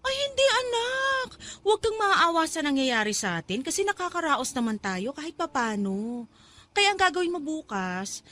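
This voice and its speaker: A woman's voice: high-pitched, fairly bright tone. A woman playing an evasive, struggling mother in a Filipino radio drama, coaxing and hesitant as she talks to her child. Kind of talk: Tagalog radio drama acting.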